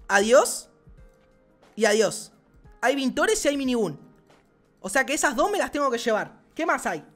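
A man with an Argentine accent giving excited gameplay commentary as a gaming channel host, swearing and shouting often. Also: very high voice. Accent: Argentine Spanish.

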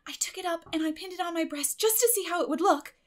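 A woman's voice: very high-pitched, fast, pitched above the performer's own voice. A woman voicing an earnest, dramatic little orphan girl who protests solemnly and emphatically in an audiobook. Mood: hesitant.

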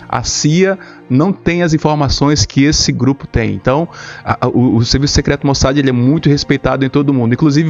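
A man's voice: mid-range voice, a little mellow, lo-fi sound. A man in his thirties with a Brazilian accent giving informal, explanatory news commentary straight to his viewers. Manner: explanatory, addressing viewers directly. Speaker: host of a news commentary video channel. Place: small indoor home studio with shelves. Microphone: close desktop condenser microphone. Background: background music.

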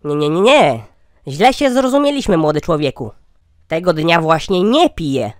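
A man voicing a droll, crotchety old grandpa in a cartoon comedy skit, drawing out deadpan punchlines. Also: on the high side, moderate pace, no room sound, clean studio sound. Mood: smug.

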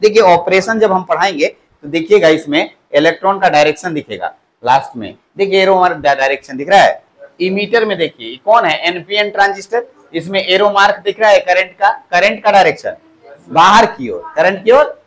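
A man's voice: high-pitched, animated, a little fast, fairly bright tone. A male polytechnic teacher giving a classroom lecture, repeating key words back to his students as questions. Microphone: clip-on mic at the waist.

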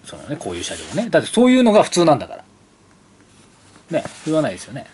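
A man's voice: a little high, wildly swooping pitch, darkish tone, slight background noise. A man hosting his motorcycle channel, chatting casually and rambling as he leafs through an old brochure, asking the viewer questions. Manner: reads brochure copy aloud slowly.

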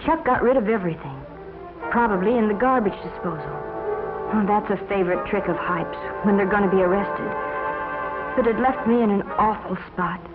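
A woman's voice: mid-range voice, moderate pace, lightly acted. An American woman playing a troubled young former addict, narrating her confession wearily in a 1950s educational film. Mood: weary, bitter. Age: young adult. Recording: muffled 1950s film soundtrack, music behind.

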